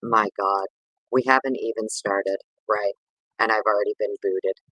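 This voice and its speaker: A man's voice: on the low side, steady tone, moderate pace, bright, forceful tone, no room sound, rough recording. A man hosting a casual livestream, chatting with viewers in a rambling, over-caffeinated, sweary way. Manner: informal, sweary slang. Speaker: livestream host.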